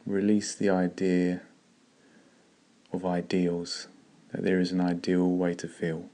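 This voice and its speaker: A man leading a guided meditation in a slow, calm, gentle way with long pauses. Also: low voice.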